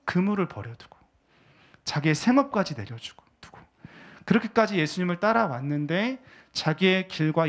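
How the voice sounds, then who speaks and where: Lively, fairly high-voiced male pastor. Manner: conversational, asks the congregation questions; drops to a hushed voice for emphasis. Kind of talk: sermon. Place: church sanctuary.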